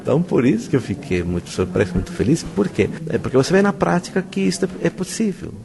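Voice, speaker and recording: A man's voice: a little high, big pitch swings, quick pace, gravelly. A middle-aged Brazilian man, a professor, answering interview questions in an enthusiastic, emphatic way with rhetorical questions. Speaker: university professor being interviewed. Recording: crowd chatter around the voice. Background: crowd chatter.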